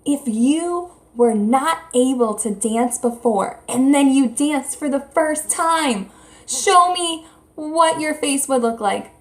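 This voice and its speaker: A woman with a fairly high voice teaches young children through a read-aloud. She speaks slowly and expressively, explaining things in simple words. The recording is roomy and echoey. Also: animated. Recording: roomy, echoey indoor sound.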